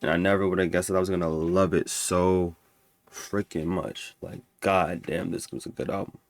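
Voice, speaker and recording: Deep-voiced stuffy man rambling casually. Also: steady tone, normal speed, gravelly, no echo. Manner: rambling, many restarts and fillers. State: stuffy nose. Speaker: music reviewer. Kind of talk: casual album ranking talk.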